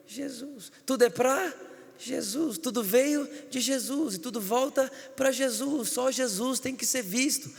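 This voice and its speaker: A man, a pastor, preaching an emphatic storytelling sermon in a church. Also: very high voice. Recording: church hall reverb.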